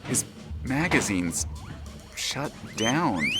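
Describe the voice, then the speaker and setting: A man's voice: mid-range voice, sing-song, over music. Audio drama narrator: grave and dramatic, takes his time, widely varied intonation. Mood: brooding. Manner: measured, dramatic. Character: grave male narrator of a troubled tale.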